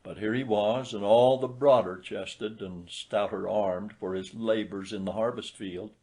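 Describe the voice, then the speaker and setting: Low-pitched man reading an audiobook. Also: fairly even intonation, measured pace, warm tone. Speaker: audiobook reader. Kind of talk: scripted literary narration.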